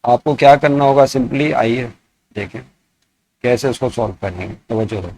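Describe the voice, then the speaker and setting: A man teaching a math lesson. He asks his students questions and answers them himself, and he slows down to dictate each problem word by word. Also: mid-range voice, darkish tone, a little hiss or hum. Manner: mixes in English math terms. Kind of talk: classroom lesson explaining sets.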